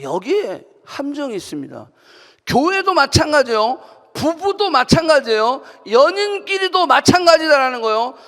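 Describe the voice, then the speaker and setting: A woman pastor delivering a sermon in a church. She preaches in an animated way, asking the congregation rhetorical questions and breaking into emphatic outbursts. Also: high-pitched. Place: church sanctuary. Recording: long hall reverb from the church.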